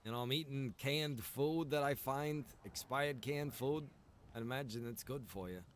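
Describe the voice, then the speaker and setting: A man's voice: medium pitch, normal speed. A man chatting in a breezy, colloquial way as a player in a roleplay game. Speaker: player in a zombie survival roleplay. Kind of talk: casual in-character roleplay chat.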